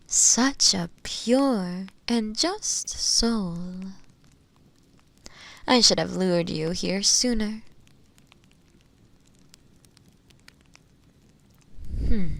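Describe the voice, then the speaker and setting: A woman playing an imprisoned witch in an audio roleplay, seductive, teasing and obsessive, sometimes hushed as she speaks to the listener. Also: mid-range voice, gravelly, no room sound. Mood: teasing, possessive. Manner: slow, teasing, hushed at times, with pet names. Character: imprisoned witch, seductive, obsessive yandere, bitter toward inquisitors.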